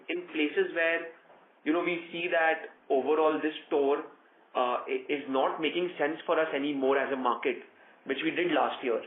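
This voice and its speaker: A man with an Indian accent, a company executive, giving measured, explanatory answers on an earnings call over a conference phone line. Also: fairly high pitch. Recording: echoey tinny conference phone line with noise.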